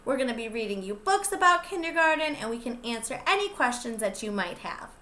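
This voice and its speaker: A pre-K teacher, a woman, reading a picture book aloud to young children in an expressive, sing-song way. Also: fairly high pitch, fairly quick.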